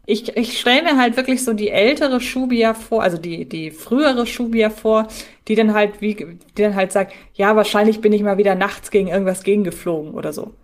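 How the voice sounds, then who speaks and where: Woman with chatting on a podcast, normal pitch, wordy, rephrases herself a lot. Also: brisk. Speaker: podcast co-host. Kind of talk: casual podcast discussion.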